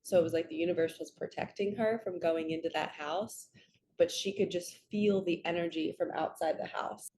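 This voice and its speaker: A woman with a slightly raspy, just-woken-up voice, hosting a casual spiritual reading vlog in an earnest, chatty way that drifts into stories. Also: lowish voice, fairly even intonation, normal speed, darkish tone, a little hiss or hum. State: raspy from waking up and allergies. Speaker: host, spiritual card reader.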